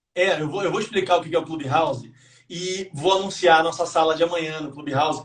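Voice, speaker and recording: At a very fast pace, a man talks in a high pitch. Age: 40s. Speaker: TV news anchor. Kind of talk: casual chat. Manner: animated.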